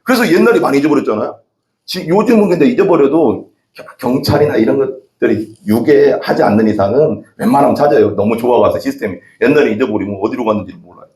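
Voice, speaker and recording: A chatty pastor preaches a laid-back sermon in a church sanctuary, frequently putting questions to the congregation. He talks fast in a medium-pitched, darkish voice, and the room sounds echoey.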